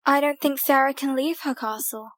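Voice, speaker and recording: A woman's voice: high voice, normal speed, fairly bright tone, no echo. A woman playing a practical, determined young heroine in an audio drama, speaking directly. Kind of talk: amateur audio drama acting.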